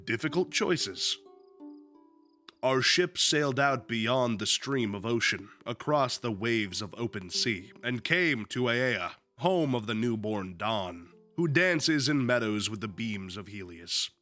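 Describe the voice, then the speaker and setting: A young man streams from home with his dog, reading a book aloud and chatting in a sniffly voice, still somewhat sick. His mid-range voice is expressive and sharp-toned, moving at a slow pace over soft background music. He's loose, jokes around, swears freely, and uses plenty of fillers.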